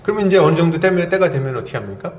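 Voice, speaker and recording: A pastor in his forties preaching a sermon, asking his congregation lively rhetorical questions. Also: a little high, very fast. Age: 40s. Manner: animated, asks the congregation many rhetorical questions. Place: church sanctuary. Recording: roomy church echo, faint background hum.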